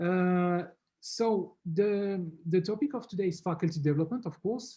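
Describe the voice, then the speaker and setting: A man with a dark, mellow tone speaks at a moderate pace and a high pitch against a quiet background. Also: ordinary pitch variation. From France. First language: French. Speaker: university lecturer. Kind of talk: lecture. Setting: video call.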